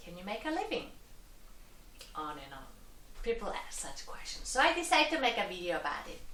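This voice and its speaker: A woman's voice moves through very wide pitch swings amid audible room echo. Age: 40s. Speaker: violinist and violin teacher. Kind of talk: casual vlog talk. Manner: hesitant, many fillers.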